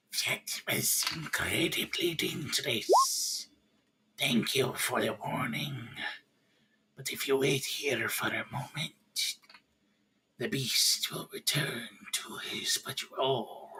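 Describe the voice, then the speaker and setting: A man puts on a raspy character voice at medium pitch. He speaks at a very slow pace, with long, frequent pauses. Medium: actual play. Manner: measured, collective "we" speech.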